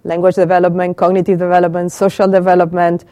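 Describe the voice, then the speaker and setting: Her delivery completely flat and fast, a middle-aged woman with an Argentine Spanish accent lectures a small room through a handheld mic. She questions the audience and repeats their responses, her low, warm voice recorded without echo.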